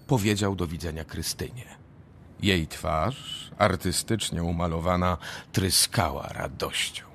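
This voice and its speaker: A man narrating a scripted story for a radio drama in a husky voice. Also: low-pitched, a bit bright, exaggerated voice.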